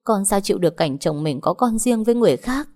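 A woman's voice: medium pitch, expressive, fast talker, warm tone, natural voice. A woman voicing a desperate young wife who pleads and sobs for forgiveness. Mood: pleading, tearful. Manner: tearful begging.

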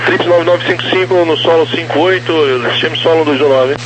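A man's voice: a little high, steady tone, moderate pace. A man working as an air traffic controller, talking over a two-way radio in clipped, formulaic phrases. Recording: noisy radio transmission heard from afar.

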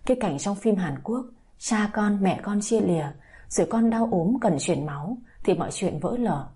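Husky, dark-voiced woman narrator. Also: mid-range voice, animated, moderate pace. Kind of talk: scripted story narration.

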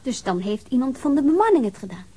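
A woman's voice: high voice, big pitch swings, fast talker, mellow, husky, exaggerated voice. A woman playing a detective's curious, teasing young daughter in a naturalistic radio drama, speaking in an informal, coaxing way.

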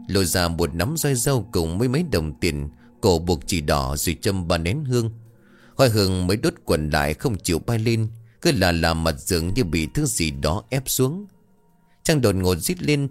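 A man narrating a scripted horror story in a dramatic, expressive way. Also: low voice. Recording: faint background music.

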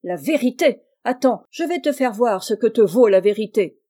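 A woman voicing a miserly, spiteful older woman in a storybook reading, scolding and sharp-tongued. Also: expressive, unhurried. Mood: furious. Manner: scolding, shrill when angry.

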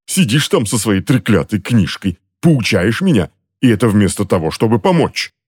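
A man reading an audiobook and voicing a cursed, tormented middle-aged uncle who snarls, whines and wails in a shrill, strained voice. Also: very animated, moderate pace, a little mellow, breathy edge. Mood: anguished, snarling. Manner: shrill, wailing, pleading.

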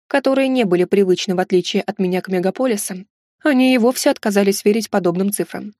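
A woman narrating an audiobook with an even, steady reading. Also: mid-range voice, dry recording, clean studio sound. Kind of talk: scripted narration.

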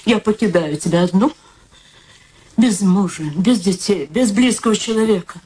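An older woman acting in a radio play as a frail, anxious elderly mother near death, plaintive and dramatic with drawn-out pauses. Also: medium pitch, close to an everyday voice. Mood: tender, insistent. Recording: steady background noise.

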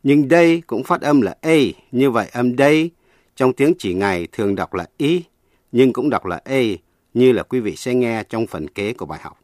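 A man teaching a language lesson on the radio in a measured, explanatory way, reading scripted narration. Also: mid-range voice, expressive, a little mellow, dry recording, clean studio sound.

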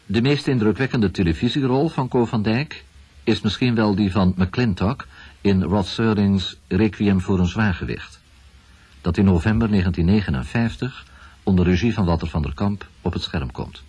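A man reading scripted narration for a radio documentary in a formal, measured manner. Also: fairly low pitch, darkish tone, breathy edge.

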